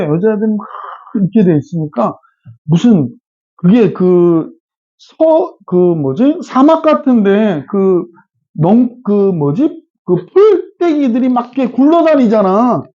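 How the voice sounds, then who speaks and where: In a lo-fi recording, a high-pitched, mellow male voice teaches a math class. He's middle-aged and talkative, often checking on his students and drifting into casual asides during the lecture.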